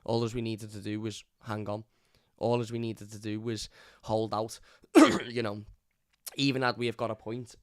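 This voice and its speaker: A hoarse man, hosting a live fan review and ranting bluntly. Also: on the low side, no echo, clean studio sound. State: hoarse from lost voice. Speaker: fan channel host. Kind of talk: live stream match review.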